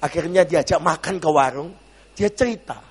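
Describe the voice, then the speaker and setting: A man preaching a sermon as a pastor, telling a story dramatically, shouting the lines of the people in it and calling the congregation to clap. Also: a little high, normal speed, breathy edge, big-room sound.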